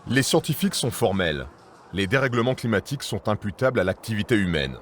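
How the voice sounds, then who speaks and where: A man reading a scripted documentary narration in a measured, serious voice. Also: fairly low pitch, big pitch swings, a bit bright, a little hiss or hum. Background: music.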